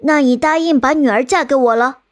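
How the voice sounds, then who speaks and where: A woman's voice: high voice, a little fast, voice pushed up, lightly acted. A woman voicing a small, stubborn male frog who earnestly insists on a marriage. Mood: asking.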